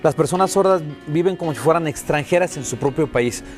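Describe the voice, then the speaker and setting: Fast-talking Mexican man explaining earnestly. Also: on the high side, over music. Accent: Mexican Spanish. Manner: earnest, explanatory, many "eh" fillers. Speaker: sign language interpreter. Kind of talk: interview guest, voicing interpretation.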